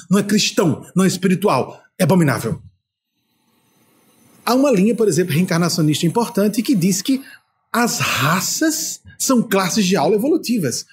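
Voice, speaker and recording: A man's voice: high-pitched, darkish tone, slightly rough. An older man from Brazil, a spiritual leader giving an emphatic talk full of rhetorical questions.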